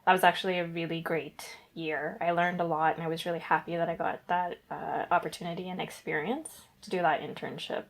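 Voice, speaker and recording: A woman's voice: on the low side, little pitch movement, fairly quick, few pauses. A young woman from Guyana, a guest researcher, answering interview questions in a chatty, rambling way with fillers and self-corrections.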